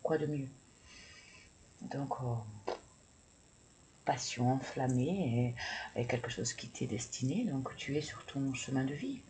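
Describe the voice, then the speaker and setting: A woman's voice: a bass voice, expressive, takes it slowly, long pauses, warm tone, a little hiss or hum, low-quality recording. A woman doing a casual card-reading video, hesitant and stammering as she thinks aloud. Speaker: tarot and oracle card reader.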